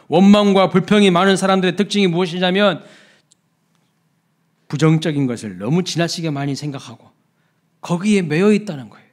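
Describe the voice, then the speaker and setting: A man preaching a Sunday sermon as the pastor of a church, emphatic, with sudden soft drops and exclamations he acts out. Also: a little high. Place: church sanctuary.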